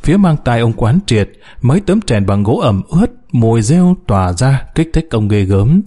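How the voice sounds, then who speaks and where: A man narrating an audiobook story in a dramatic, expressive way. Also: mid-range voice, moderate pace.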